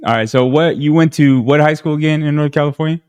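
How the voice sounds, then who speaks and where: A man's voice: a little high, quick pace, a little mellow, clear, resonant tone. A man hosting a sports pregame show, chatty and informal, firing off follow-up questions. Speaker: sports radio host.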